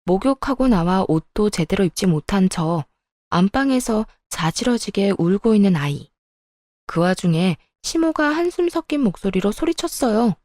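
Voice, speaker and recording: A woman's voice: mid-range voice, very animated, moderate pace, a little mellow, dry recording, clean studio sound. A woman narrating a first-person story as a young wife, with a plaintive, exasperated way of telling it.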